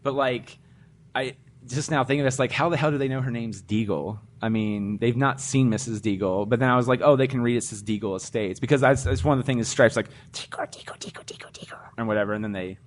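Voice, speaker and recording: A man's voice: medium pitch, fast, slight background noise. A man hosting a live podcast panel, chatting casually about a film and acting out its scenes. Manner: rambling, acts out scenes in voices. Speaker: podcast host. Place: live theater stage.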